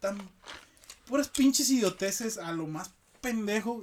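A man with a high-pitched voice and ordinary pitch variation keeps to a moderate pace. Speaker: podcast co-host. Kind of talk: casual chat.

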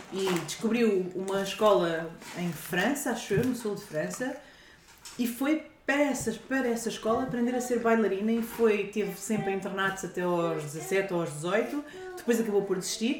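Noticeable background noise accompanies a woman speaking at a moderate pace, her pitch varying in an ordinary way. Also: medium pitch for a woman. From Portugal. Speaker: podcast co-host, mother. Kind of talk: casual chat.

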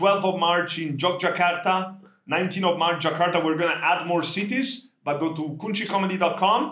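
With audible room echo around him, a man speaks at a high pitch and with fairly even intonation. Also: moderate pace. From Italy. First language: Italian. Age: 30s. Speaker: stand-up comedian. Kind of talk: casual chat.

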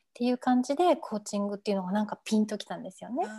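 The voice is somewhat breathy, with a dark, mellow tone and ordinary pitch variation, on a very clean recording with a silent background. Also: woman. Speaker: sex coach. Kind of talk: interview.

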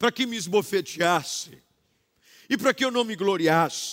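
A man speaks in a high-pitched voice, his intonation lively. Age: 50s. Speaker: pastor. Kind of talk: sermon.

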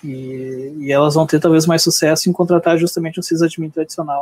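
A man with a southern Brazilian accent speaks at a fairly high pitch, his intonation fairly even. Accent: gaúcho Brazilian Portuguese. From southern Brazil, Rio Grande do Sul (Gravataí, Porto Alegre area). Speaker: tech professional (site reliability engineering). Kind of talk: casual interview chat.

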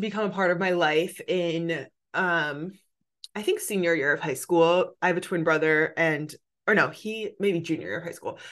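Against a quiet background, a woman speaks at a moderate pace with a fairly low pitch. It is an ordinary speaking voice with ordinary pitch variation. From New Jersey. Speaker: dietitian. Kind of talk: casual interview chat. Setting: remote call.

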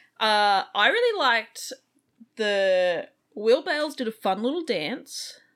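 A woman with an Australian accent, fairly high in pitch, with very wide pitch swings at a very slow pace, on a very clean recording with a silent background. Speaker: podcast co-host. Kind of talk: casual chat. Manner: animated.

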